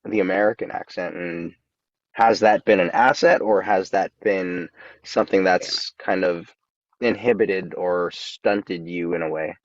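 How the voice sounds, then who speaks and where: A man's voice: low-pitched, steady tone, measured pace, dry recording. A man hosting a podcast, asking long, thoughtful open questions. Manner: thoughtful, asks long open questions, short listening murmurs. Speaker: podcast host. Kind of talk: interview questions. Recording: dull, dry lo-fi mic.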